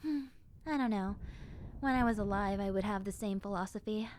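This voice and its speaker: A woman playing a gentle, chatty young zombie girl in a roleplay audio drama, musing conversationally to the listener. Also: mid-range voice, normal speed, slight background noise, lightly acted. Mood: chatty, reflective. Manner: soft-hearted, conversational, musing.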